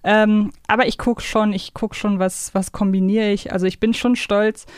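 A woman's voice: mid-range voice, little pitch movement, moderate pace, clear, resonant tone, no echo, studio quality. A woman hosting a podcast in a casual, conversational chat style. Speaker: podcast host. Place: close, dry podcast recording.

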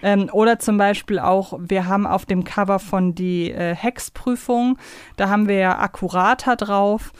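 A woman's voice: medium pitch, fairly even intonation, moderate pace, clean tone, dry recording, clean studio sound. A woman talking casually and analytically as a podcast co-host, explaining in loose, chained sentences. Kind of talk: casual conversational fan podcast talk.

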